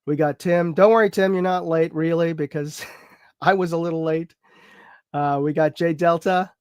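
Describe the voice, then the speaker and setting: A man's voice: fairly high pitch, steady tone, normal speed, clear, resonant tone, no room sound, studio quality. Congested man hosting a live stream. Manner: rambling, filler-heavy, chatty with viewers. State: congested from a cold. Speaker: host of a live chat show. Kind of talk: casual live-stream chat.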